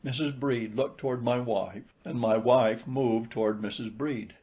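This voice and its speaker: A man's voice: mid-range voice, measured pace, darkish tone. A man reading a literary short story aloud as an audiobook narrator.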